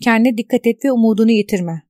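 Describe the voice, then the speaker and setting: A woman reading the calm, reassuring note of a caring young woman in an audiobook. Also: fairly high pitch, fast talker, dry recording, clean studio sound, lightly acted.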